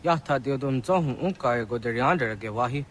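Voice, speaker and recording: An actor playing a grave, earnest Native American villager in a video game cutscene. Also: male voice, medium pitch, quick pace, fairly bright tone, slight background noise, lightly acted. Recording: music behind the dialogue.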